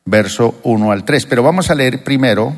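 Hombre predicando en una sala con eco. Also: male voice, mid-range voice, normal speed. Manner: emphatic preaching, rhetorical questions to the congregation. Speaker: pastor. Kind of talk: sermon. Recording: long reverb of a church hall.

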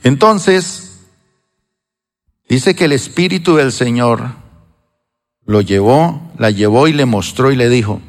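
A man preaching a sermon as pastor, retelling a story with quoted dialogue, rising emphatic and slowing to a hushed drawl. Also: medium pitch, expressive, in a large hall. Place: church sanctuary.

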